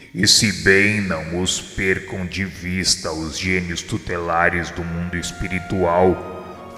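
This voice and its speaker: Man as a deep, slow, reverberant divine Lord. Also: bright, forceful tone, full character voice. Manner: grave, measured, formal oratory. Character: solemn, benevolent divine Lord addressing his disciple. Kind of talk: religious radio drama acting. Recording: echoey long reverb, music underneath.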